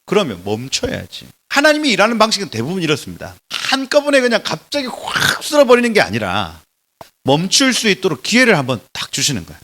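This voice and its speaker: Animated male preacher, bright lively voice. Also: high voice. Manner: animated, emphatic, swings between loud exclamations and soft drops. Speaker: pastor giving a Bible lecture. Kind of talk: sermon lecture. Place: church.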